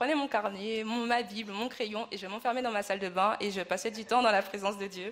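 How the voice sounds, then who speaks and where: An unremarkable speaking voice belongs to this woman. She has a fairly high pitch and keeps a moderate pace. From Guadeloupe. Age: 20s. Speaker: student. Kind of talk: testimony. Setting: church.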